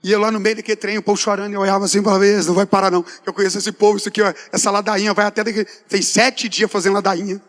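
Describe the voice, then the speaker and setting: A man, a pastor telling a lively testimony in a sermon and acting out his talks with God in folksy asides. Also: high-pitched, rapid-fire, few pauses, big-room sound. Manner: animated storyteller, acts out dialogue with God, folksy asides.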